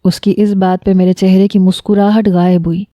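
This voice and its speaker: A woman narrating a romance story in the first person, with a calm, intimate storytelling delivery. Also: medium pitch, no room sound, dull audio.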